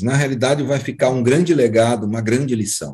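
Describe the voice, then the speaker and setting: The man's voice sits in a middle register with a dark, mellow tone. A touch of breathiness runs through it. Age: 60s. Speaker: homeopathic doctor. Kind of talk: interview.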